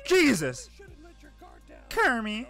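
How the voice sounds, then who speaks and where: A male streamer with a very high voice and swooping, lively delivery gives excited reaction commentary. He is playful and slangy, often breaking into shouts, with a bit of fry in the voice and music playing behind him. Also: drawn-out words. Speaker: VTuber streamer reacting to an animation. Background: music and video audio.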